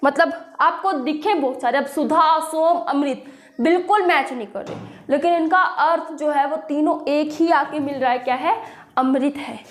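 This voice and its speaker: A woman's voice: high voice, moderate pace, echoey room. A young woman teaching a casual grammar lesson, explaining with rhetorical questions and checking in often.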